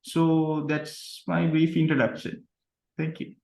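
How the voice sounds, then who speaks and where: A man's voice: fairly high pitch, monotone, slow, gravelly, darkish tone. A young man in his twenties from Sri Lanka introduces himself over a video call. He sounds a little nervous and often repeats words. The room around him echoes. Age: 20s. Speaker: guest. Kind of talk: self-introduction.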